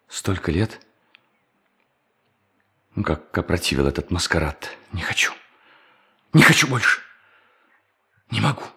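An actor playing a desperate, ageing male embezzler in a radio play, halting and stammering as he pleads. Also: sits low, a bit bright, husky, exaggerated voice. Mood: bitter despair. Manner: halting, stammering, repeats himself imploringly. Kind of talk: Russian radio play acting.

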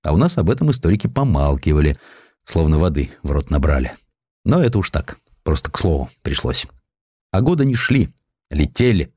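A man narrating historical essays from a script in an expressive storytelling way, with ironic, conversational asides. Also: extremely low pitch, a little fast, breathy edge, no echo, studio quality. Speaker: audiobook narrator. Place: studio.

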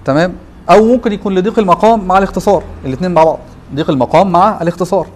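A man with an Egyptian accent teaches a class at a brisk clip. His voice sits a bit high for a man. He keeps pausing to quiz his listeners with quick rhetorical questions. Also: darkish tone. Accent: Egyptian Arabic. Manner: quizzes students with repeated rhetorical questions. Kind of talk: classroom lecture.

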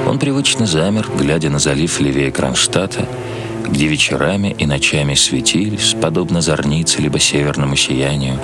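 A man reading literary prose aloud as a scripted narration. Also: a bass voice. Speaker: narrator, reader.

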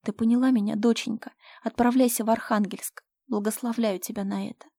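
A woman's voice: mid-range voice, fairly even intonation, a little fast, warm tone, no echo, studio quality, close to an everyday voice. A woman voicing a young mother, indignant at first, then weak and whispering tenderly.

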